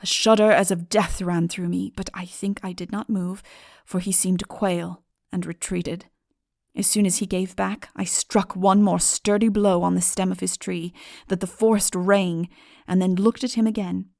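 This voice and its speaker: A woman giving a dramatic literary audiobook narration in a measured, solemn and expressive way. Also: on the low side, creaky, no echo, clean studio sound.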